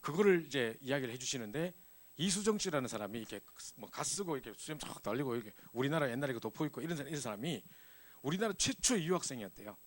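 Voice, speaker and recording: Guy preaching to the youth group, fast and animated, storytelling his testimony. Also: mid-range voice. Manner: animated storytelling, acts out scenes. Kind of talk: sermon with personal testimony.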